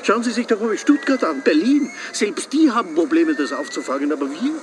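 A defensive small-town mayor. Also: male voice, sits high, big pitch swings, brisk. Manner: defensive, rambling, justifying himself. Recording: noisy background.

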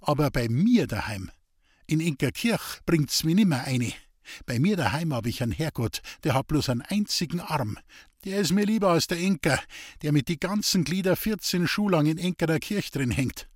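A man's voice: a little high, animated, moderate pace, no room sound, studio quality, pitched above the performer's own voice. A man voicing a weary, bitter old farm woman in an audiobook, speaking curtly in rural dialect.

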